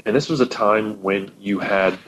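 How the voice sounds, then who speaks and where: A man's voice: on the low side, moderate pace, a bit bright, a little hiss or hum, poor audio. A man chatting on a podcast as guest co-host, talking with eager enthusiasm and often repeating words as he goes. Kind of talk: casual podcast conversation.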